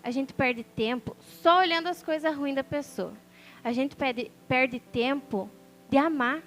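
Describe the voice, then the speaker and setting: A woman's voice: sits high, measured pace, fairly bright tone, faint music behind. A woman sharing a personal testimony as a sermon, telling the story with animation and acting out the voices of people she quotes. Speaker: preacher.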